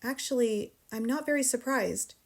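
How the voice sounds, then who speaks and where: A woman doing a soft, kind teacher. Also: a little high, normal speed, breathy edge. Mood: calm. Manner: soft, calm and patient.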